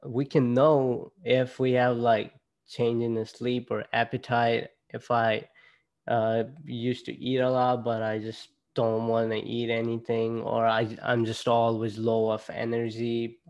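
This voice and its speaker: A young man from Nepal with a Nepali accent, presenting casually to students on a video call through a laptop mic, halting and restarting often. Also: medium pitch, monotone, a little mellow. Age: young adult. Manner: halting, with frequent fillers and restarts. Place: indoor room at home. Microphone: laptop webcam on a video call.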